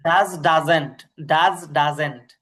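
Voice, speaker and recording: A man's voice: fairly high pitch, fairly bright tone. Patient man tutoring English. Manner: patient, repeats drills and checks understanding; reads English sentences slowly, then gives the translation. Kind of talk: explaining grammar in a lesson.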